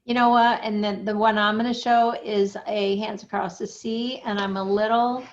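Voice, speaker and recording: A woman's voice: mid-range voice, level tone, normal speed. Middle-aged woman co-host, casual and chatty, dull recording with light noise. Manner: chatty, giggly. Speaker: flosstube co-host. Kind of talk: casual chat. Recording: dull lo-fi sound with faint noise.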